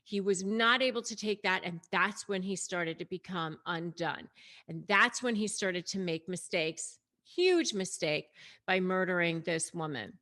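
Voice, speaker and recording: A woman's voice: fairly low pitch, expressive, measured pace, sharp tone. Woman talking emphatically in casual commentary. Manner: conversational, emphatic, addresses the audience directly. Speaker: host and coach giving advice on narcissists. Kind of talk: casual explanatory commentary to camera, retelling a story.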